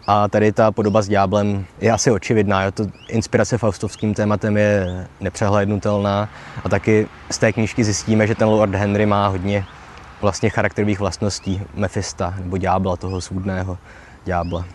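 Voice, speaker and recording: Chatty man explaining literature, low voice. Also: darkish tone. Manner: chatty, explanatory, frequent fillers like "jo" and "no". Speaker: literature video host. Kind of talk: casual literature lecture.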